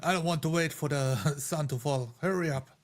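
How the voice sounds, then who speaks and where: A man's voice: a little high, normal speed. A man playing a tabletop roleplaying game, alternating in-character dialogue with descriptions of what he does. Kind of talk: in-character roleplay mixed with first-person narration.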